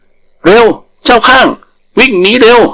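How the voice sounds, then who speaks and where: Man voicing a panicky, high-pitched cowardly tiger. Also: measured pace, pushed and bright, full character voice, low-quality recording. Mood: urgent alarm. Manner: frightened, protesting, exclamatory.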